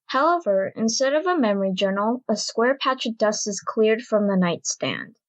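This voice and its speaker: A woman's voice: on the high side, big pitch swings, moderate pace, muffled recording. A woman reading scripted story narration for an audio drama.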